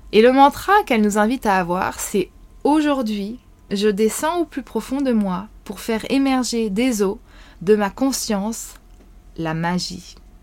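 This woman talks at a very slow pace. Her pitch is fairly high and her intonation lively. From New Caledonia. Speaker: podcast host, yoga teacher. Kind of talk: storytelling podcast. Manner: casual, with filler hesitations.

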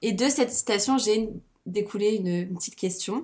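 A woman speaks at a fairly high pitch with a somewhat breathy quality. Her pace is moderate and her pitch variation ordinary. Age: 20s. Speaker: law student. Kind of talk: casual chat.

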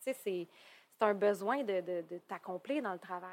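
A woman speaks in a Quebec accent. Her pitch is medium. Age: 20s. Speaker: human design and astrology coach. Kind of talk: casual chat.

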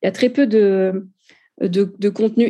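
At a medium pitch, a woman talks in a dark, mellow tone, her pitch varying in an ordinary way. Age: 40s. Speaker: training manager and self-coaching author. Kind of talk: casual interview.

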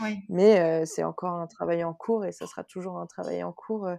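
The recording of a woman speaking has a dry, close sound with no echo. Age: 20s. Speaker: freelance copywriter. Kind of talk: casual interview.

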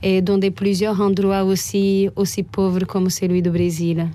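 In a Portuguese accent, a woman talks with monotone, flat intonation. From Brazil, Salvador de Bahia. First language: Portuguese (speaking French). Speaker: missionary. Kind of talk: testimony. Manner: halting, many repetitions.

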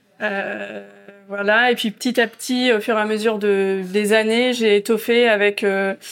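A woman speaks very slowly. Her intonation stays flat and monotone. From Normandy, France. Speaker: restaurateur and caterer. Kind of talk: interview. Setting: in her restaurant.

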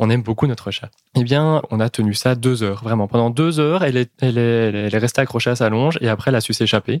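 A man talks at a fairly quick pace in a plain, everyday voice of medium pitch with ordinary pitch variation. The recording is very clean, with a silent background. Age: 20s. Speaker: carpenter and van builder. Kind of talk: podcast interview.

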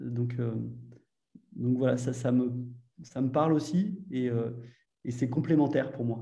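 A man's somewhat breathy, dark and mellow voice at medium pitch with ordinary variation, fairly slow with long, frequent pauses, in audible room echo. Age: 30s. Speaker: coaching client, farmer. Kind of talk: personal testimony. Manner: halting, many repetitions.

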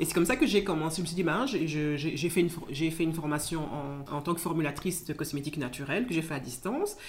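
A woman with a fairly low voice talks at a fairly quick pace, with hardly any pauses and ordinary pitch variation. Noticeable background noise runs underneath. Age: 40s. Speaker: cosmetics entrepreneur. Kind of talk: casual chat. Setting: at home.

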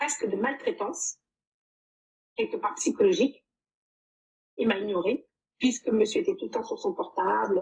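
High-pitched, a woman speaks at a moderate pace with very wide pitch swings. She leaves long, frequent pauses. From Portuguese heritage, raised in France. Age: 50s. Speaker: childminder. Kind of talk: testimony.

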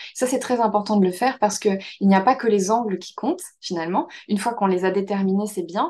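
A woman speaks with a dark, mellow tone at a medium pitch. Her pace is fairly quick, with ordinary pitch variation. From France. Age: 30s. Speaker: astrologer. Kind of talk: interview. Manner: hesitant, many fillers.

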